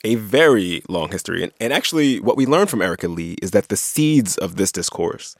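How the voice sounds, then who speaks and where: A man's voice: lowish voice, lively intonation, brisk, dry recording. A man co-hosting a podcast, explaining things in a conversational way, close to the microphone. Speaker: podcast co-host. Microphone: close studio microphone.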